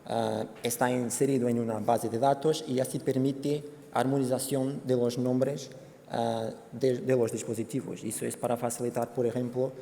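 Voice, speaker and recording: A Portuguese man giving a conference presentation in Spanish with a Portuguese accent, speaking haltingly with many fillers and restarts. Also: mid-range voice, little pitch movement, gravelly, dark tone. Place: conference hall. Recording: hall reverb, faint background noise.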